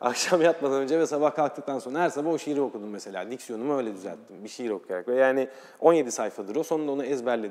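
A man at a very fast pace with lively intonation, hardly any pauses and a quiet background. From Turkey, Istanbul. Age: 30s. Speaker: actor. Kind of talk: casual interview chat. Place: studio. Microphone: lapel.

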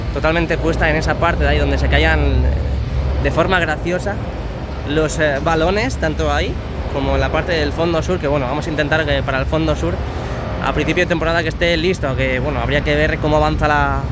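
Speaking fairly quickly, a man is heard against clear background noise. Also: dry sound with no echo. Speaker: construction site vlogger. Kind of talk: commentary. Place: stadium. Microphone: phone near.

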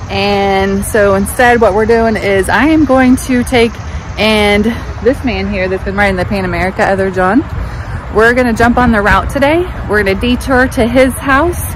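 Noticeable background noise sits behind a woman talking at a moderate pace. The sound is dry with no echo. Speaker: motorcycle rider vlogger. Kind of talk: casual vlog chat. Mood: upbeat, relieved. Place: street. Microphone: phone near.

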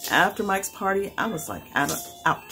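A woman's voice, faint music behind it. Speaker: haul vlogger. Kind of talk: casual vlog chat. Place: home room.

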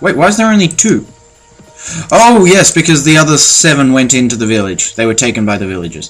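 Music plays in the background. A man speaks with very wide pitch swings. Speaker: let's play gamer. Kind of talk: game commentary.

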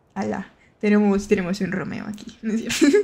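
A woman speaks at a fairly high pitch, sounding somewhat breathy. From Mexico. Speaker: vtuber streamer. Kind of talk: live gaming stream chat.

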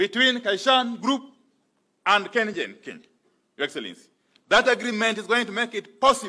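A man's raised, projected voice, bright and sharp, at a moderate pace with ordinary pitch variation over a quiet background. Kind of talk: formal public speech. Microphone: podium.

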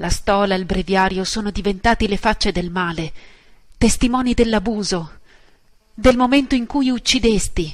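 A woman speaks at a moderate pace with ordinary pitch variation, pausing often and at length. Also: medium pitch for a woman. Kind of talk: dramatic spoken-word poem of denunciation, delivered as a furious curse and lament.

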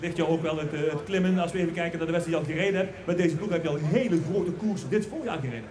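Amid noticeable background noise, a man talks at a very fast pace in a high pitch with ordinary pitch variation. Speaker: event announcer. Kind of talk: PA team presentation. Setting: PA system, outdoor square with crowd. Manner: formal. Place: stage. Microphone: handheld.

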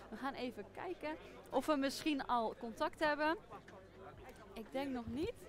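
With a high pitch and ordinary pitch variation, a woman speaks in a dry sound with no echo over light background noise. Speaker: field reporter. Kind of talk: live commentary. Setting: outdoors. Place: street. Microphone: headset.

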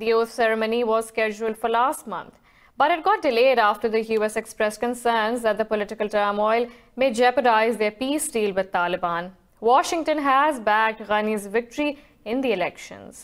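With a quiet background, a woman's pitch varies in an ordinary way as she speaks at a moderate pace. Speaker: news anchor. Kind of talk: news reading. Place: studio.

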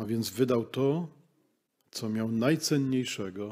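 Quiet background behind a man, his pitch varying in an ordinary way. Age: old. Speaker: pastor. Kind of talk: sermon. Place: church. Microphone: podium.

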